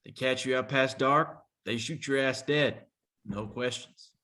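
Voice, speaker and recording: A man's voice: mid-range voice, unhurried, pushed and bright. A man playing a hostile, bitter, foul-mouthed coal miner in a screenplay table read, speaking bluntly and confrontationally. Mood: menacing.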